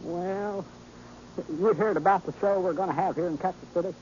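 An actor playing a cackling old cowboy blowhard. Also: male voice, high-pitched, steady tone, moderate pace, a little mellow, close to an everyday voice. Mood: boastful. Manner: drawling folksy bluster, cackling laughs, "doggone". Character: boastful folksy old cowboy sidekick Windy Wales, comic blowhard. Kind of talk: 1940s radio western drama. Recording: dull old radio transcription with faint hiss.

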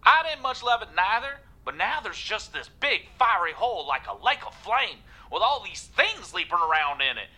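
An actress playing a frantic, folksy office worker, calling in to a radio show during an apocalypse. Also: female voice, medium pitch, very animated, moderate pace, few pauses, pushed and bright. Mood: rattled. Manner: panicky, rambling, folksy. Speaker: caller. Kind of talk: radio drama acting.

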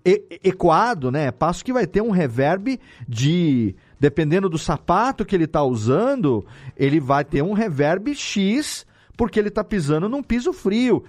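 Animated, higher-pitched Brazilian man telling stories. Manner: animated explainer, asking himself rhetorical questions. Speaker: audio drama editor and podcast guest. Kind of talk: casual interview storytelling.

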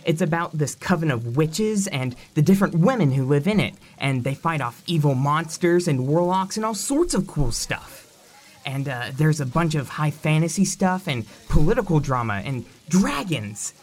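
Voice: medium pitch, expressive, moderate pace, natural voice. Eager, cheeky teenager played by an actor. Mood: enthusiastic, geeky. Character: eager, cheeky teenage fantasy fan, Mom's kid. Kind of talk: audio drama acting, casual chat.

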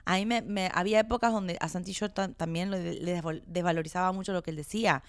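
A woman's voice: fairly low pitch, fast, no echo. Candid woman in a dry close recording. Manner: candid, expressive, laughs easily. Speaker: co-host. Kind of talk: casual couple chat.

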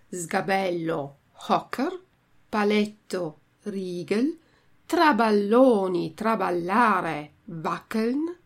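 A woman's voice: medium pitch, creaky, husky. A woman reading a story aloud expressively, then reading out a vocabulary list as a teacher. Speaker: reader and language teacher.

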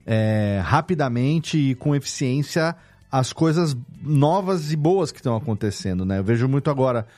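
A man's voice: mid-range voice, lively intonation, normal speed, darkish tone. A man hosting a podcast interview, chiming in with agreements and summing up his guest's points. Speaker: podcast host. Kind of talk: casual interview chat.

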